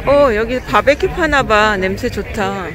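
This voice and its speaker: A woman's voice: on the high side, unhurried. A middle-aged woman from South Korea chatting and narrating casually for a vlog as she walks through an outdoor market. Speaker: vlogger. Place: outdoor street market in a parking lot. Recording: outdoor crowd chatter and music behind.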